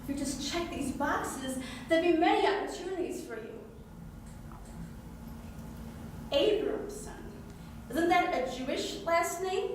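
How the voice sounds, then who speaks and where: A woman's voice: very high voice, lively intonation, normal speed, slight background noise. A woman performing a prying, patronizing character who keeps asking an adoptee where she is really from, recorded on stage. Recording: echoey distant stage recording.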